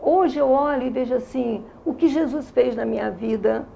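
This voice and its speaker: Brief: Carioca woman, 60s, high but dark, gravelly tone, emotional testimony. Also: moderate pace, lo-fi sound, a little hiss or hum. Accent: Carioca Brazilian Portuguese. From Rio de Janeiro, Brazil. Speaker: interview guest giving a testimony. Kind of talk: religious testimony in conversation.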